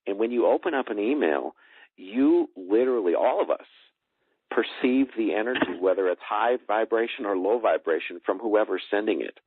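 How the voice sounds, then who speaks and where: A man explaining earnestly and haltingly as an interview guest over a telephone. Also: on the low side, animated, slightly rough. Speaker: interview guest, energy healer. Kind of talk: explanatory talk in a phone interview. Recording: tinny phone line, roomy echo.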